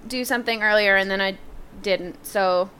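A woman's voice: medium pitch, steady tone, moderate pace, sharp tone, smooth. A woman co-hosting a podcast in casual chat, rambling in a self-deprecating, sweary way. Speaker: podcast co-host.

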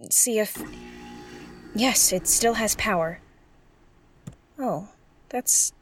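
A woman playing a curious, jittery explorer alone on a derelict spaceship, thinking aloud in an audio drama in a hesitant, exclamatory way. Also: mid-range voice. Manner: hesitant, exclamatory, muttering to herself.

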